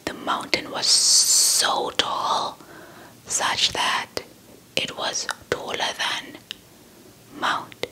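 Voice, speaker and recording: A young woman, a Xhosa speaker, whispers a folktale as an ASMR storyteller, deliberately repeating words for effect, close to a handheld mic. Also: bright, forceful tone, poor audio. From South Africa. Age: young adult. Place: small indoor setup before a cloth backdrop. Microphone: handheld mic with fluffy windscreen, held close.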